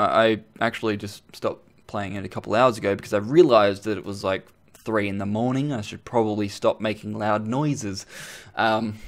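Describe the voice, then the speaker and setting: A young man giving a casual, rambling update about his gaming channel, with many ums and restarts and casual swearing. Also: mid-range voice.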